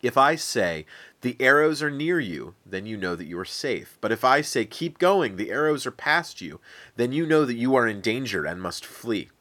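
A man's voice: mid-range voice, big pitch swings, moderate pace, sharp tone. A man voicing a loyal young prince who speaks earnestly and with emphasis.

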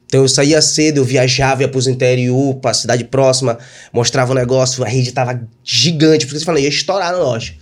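Fast-talking Brazilian man telling a story. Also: mid-range voice. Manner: rapid, animated storytelling with many fillers. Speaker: guest. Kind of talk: casual storytelling interview.

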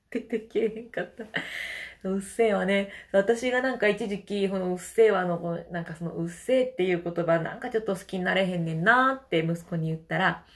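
A middle-aged woman with a Kansai accent, a vocal trainer chatting and laughing often on a casual livestream voice lesson. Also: fairly quick. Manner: chatty, laughs often, demonstrates falsetto vowels.

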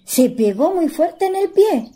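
A woman playing a courteous, chatty young country hostess with a rural Chilean accent and a breathy voice in a radio play. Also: extremely high pitch, big pitch swings, unhurried, warm tone, full character voice. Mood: courteous, shy. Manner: folksy, solicitous, polite.

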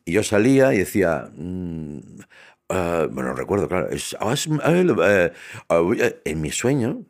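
A man's voice: low-pitched, measured pace. A man with a Catalan accent, a native Catalan speaker, telling stories as a guest in an interview and acting out the voices of the people he quotes. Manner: animated storyteller who acts out quoted voices. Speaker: interviewee, TV entertainer. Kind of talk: storytelling in an interview.

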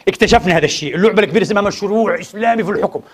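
A husky, very high male voice races along at breakneck speed as he delivers a Friday sermon in a mosque. He keeps pressing the congregation with passionate rhetorical questions.

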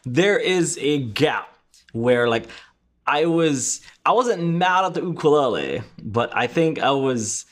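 A man's voice: a little high, expressive, slow pace, fairly bright tone. A man in his thirties from the Philippines, hosting a casual podcast and telling stories with many fillers and restarts. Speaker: podcast host.

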